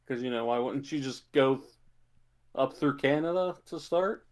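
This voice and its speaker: A man co-hosting a podcast in casual chat, speaking in an informal, halting, offhand way. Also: medium pitch. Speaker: podcast co-host.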